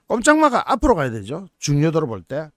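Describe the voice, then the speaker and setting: A man's voice: on the high side, huge pitch swings, fairly quick, fairly bright tone, no room sound, clean studio sound. A man hosting his own channel, commenting on the news in a mocking, incredulous way. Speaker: political YouTube channel host.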